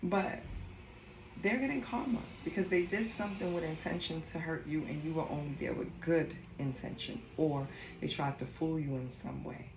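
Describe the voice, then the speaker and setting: A woman from Costa Rica talks straight to her viewers through a tarot reading, blunt and chatty and swearing freely. Her voice sits low with a gravelly, fried edge. The sound bounces around an echoey room, with steady noise underneath. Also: moderate pace. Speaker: tarot reader. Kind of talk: casual tarot reading to camera.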